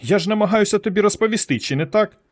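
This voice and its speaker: Man doing a teasing alien seductress, pitched well up, playful and coy. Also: expressive, fast. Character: flirty alien woman intruder in a mind.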